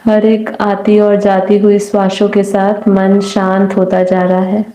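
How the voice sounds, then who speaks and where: A woman guiding a meditation in a soothing, unhurried manner with long pauses. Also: mid-range voice, completely flat delivery, dark tone. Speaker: meditation guide. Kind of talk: guided meditation, slow calm instruction. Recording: roomy echo. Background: faint music.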